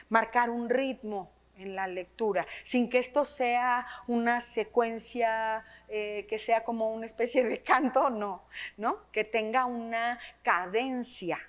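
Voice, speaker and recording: Lively Mexican woman leading a workshop. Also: a little high. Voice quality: trained, well-projected voice. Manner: lively, tags phrases with questions to the audience. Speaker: workshop leader for teachers. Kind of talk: teaching workshop on reading aloud. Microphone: microphone.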